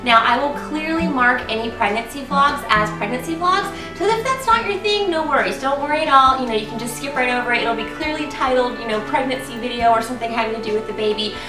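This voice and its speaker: Excited chatty woman, a bit congested and raspy, kinda high voice, a little far from the mic. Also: fast, hardly any pauses, music in the background. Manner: chatty, excited, lots of ums. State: congested, getting over a cold. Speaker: vlogger. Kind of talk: casual vlog talking to viewers. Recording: echoey room, voice a bit off-mic.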